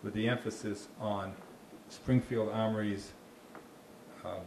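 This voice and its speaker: A man's voice: on the low side, fairly even intonation, slow pace, a little mellow. A man with a Boston accent, a park ranger giving an informal talk into a handheld mic in a small room, chatty with frequent restarts and dry jokes. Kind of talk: informal talk with audience questions. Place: small dark meeting room with slide screen. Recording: echoey room with faint noise.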